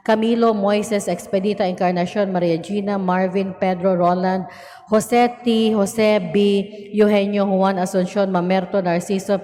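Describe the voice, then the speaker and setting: A woman's voice: medium pitch, mellow. A woman lector reads a list aloud in a church. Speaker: lector reading Mass intentions. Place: large reverberant church. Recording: reverberant hall, long echo tail.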